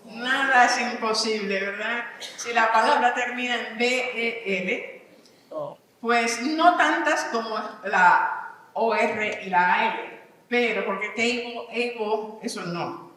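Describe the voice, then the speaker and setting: Reading out English word lists and questioning her audience, a woman speaks slowly in a bright, forceful, higher-pitched voice. It's a live talk in a large conference hall, recorded from afar with lots of echo.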